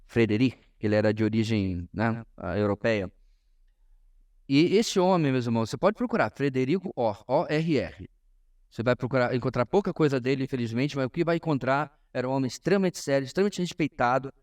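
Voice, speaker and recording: A man with a Brazilian Portuguese accent teaches a church class as a pastor, in an informal sermon style, emphatic and often pausing to address his listeners directly. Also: mid-range voice, animated, a little mellow. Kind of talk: informal sermon-like lesson to a congregation.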